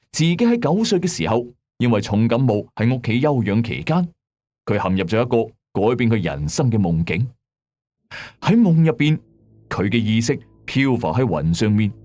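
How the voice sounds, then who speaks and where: Animated Cantonese male storyteller over music. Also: medium pitch. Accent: Hong Kong Cantonese. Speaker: host and storyteller. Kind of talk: scripted mystery storytelling narration.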